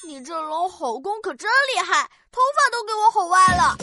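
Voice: very high voice, animated, normal speed, pushed and bright, soft background music, heavily acted. An actor playing a cheeky, gluttonous childlike character in a children's audio drama, with a playful, exclamatory and naively boastful manner. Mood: startled, cheeky. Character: cheeky, gluttonous, childlike listener named Naonao.

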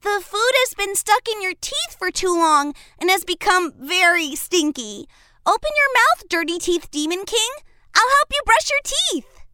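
A woman's voice: very high voice, big pitch swings, a little slow, pushed and bright, dry recording, studio quality, voice pushed up, full character voice. A woman voicing a brave, cheerful young boy prince in a storybook, sounding eager and encouraging. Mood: chirpy. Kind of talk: storybook character voice.

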